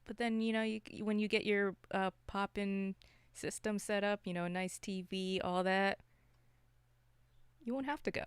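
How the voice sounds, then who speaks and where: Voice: medium pitch, steady tone, normal speed, clear, resonant tone, no echo. A podcast co-host from Canada chatting casually about movies in an opinionated, slangy way.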